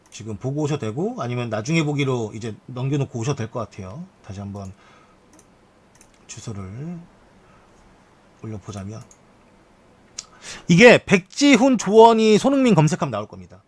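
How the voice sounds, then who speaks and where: A man's voice: medium pitch, lively intonation, normal speed, long pauses. A man streamer reading news articles aloud on a live stream and adding frank asides to his chat.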